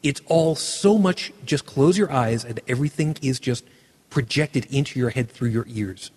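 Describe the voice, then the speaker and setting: A man hosting a casual podcast chat, talking with animated enthusiasm and frequent restarts. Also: medium pitch, moderate pace, breathy edge, long reverb tail. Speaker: podcast host.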